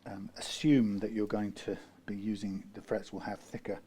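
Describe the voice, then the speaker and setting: Man from the UK, low voice, rambling workshop tutor with dry humour, faint background ambience. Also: little pitch movement, moderate pace, mellow, slight background noise. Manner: rambling, self-correcting, dry asides. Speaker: guitar repair tutor. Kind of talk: workshop how-to narration.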